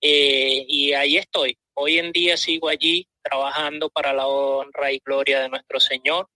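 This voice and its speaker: A man's voice: medium pitch, level tone, normal speed, pushed and bright, no room sound, rough recording. A man, a guest musician on a live interview, talking hesitantly with many fillers. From Venezuela.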